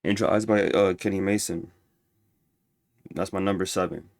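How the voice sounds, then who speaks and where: A man's voice: low-pitched, fairly even intonation, normal speed, creaky, a little mellow, no echo. A man with a stuffy nose ranking music albums in casual, rambling talk full of restarts and fillers. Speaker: music reviewer.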